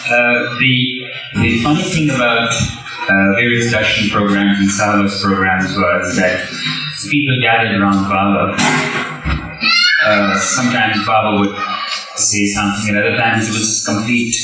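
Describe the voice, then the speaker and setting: A man on a panel telling stories, hesitant with many pauses and chuckles, recorded from a distance in a hall. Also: lowish voice, steady tone. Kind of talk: storytelling on a panel. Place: hall at a gathering. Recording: echoey distant archival hall recording with faint music.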